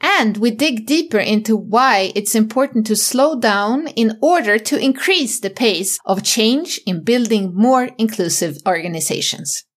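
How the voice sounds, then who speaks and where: A woman's voice: on the high side, lively intonation, measured pace, few pauses. A woman co-hosting a podcast, presenting episode introductions and putting questions to guests. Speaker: podcast co-host.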